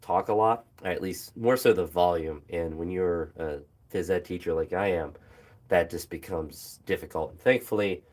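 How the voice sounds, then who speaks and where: Deep-voiced hoarse man, halting vlog chat. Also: darkish tone. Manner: halting, many fillers and pauses. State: hoarse with phlegm, throat sore. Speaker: phys ed teacher. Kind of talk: casual vlog chat while training.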